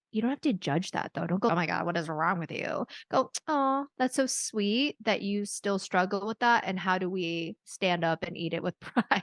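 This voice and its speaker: A woman with an American accent talks in an unremarkable speaking voice at medium pitch and a moderate pace, with lively intonation, hardly any pauses, and a dry, close sound with no echo over a quiet background. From US Midwest, Chicago (Chinatown). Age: 30s. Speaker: podcast guest. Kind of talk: casual chat.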